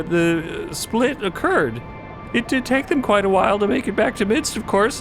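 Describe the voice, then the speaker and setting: Timekeeper officer: male actor playing a nervous, deferential functionary, high-pitched and lively, formal but halting, audio drama over music. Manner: hesitant, stammering, formal. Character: flustered, deferential timekeeper officer giving hesitant reports.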